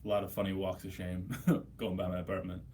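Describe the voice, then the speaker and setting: Hungover American man with a lowish voice. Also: flat delivery, brisk, darkish tone, slight background noise. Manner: profane, blunt, slangy. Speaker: livestream host. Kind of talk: casual livestream chat answering viewers' questions.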